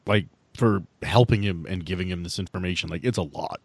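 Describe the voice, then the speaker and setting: Low-voiced man running a tabletop game. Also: brisk, vocal fry, breathy edge, dry recording. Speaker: game master. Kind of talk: casual tabletop game narration.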